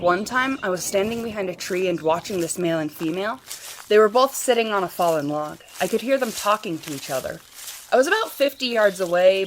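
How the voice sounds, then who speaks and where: A woman's voice: mid-range voice, a little hiss or hum, close to an everyday voice. A woman acting in an audio drama as an earnest, easily moved Sasquatch watcher.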